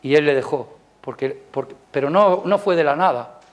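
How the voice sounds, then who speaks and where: A man with a Spanish accent delivers a Sunday sermon in a church, his voice sitting somewhat high. He talks with the congregation as much as at them, tossing in rhetorical questions. On key points he climbs higher and louder, then falls back to a soft, low aside. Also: animated, normal speed. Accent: Spanish from Spain. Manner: rises loud and high on emphasis, drops soft. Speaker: preacher. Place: church service.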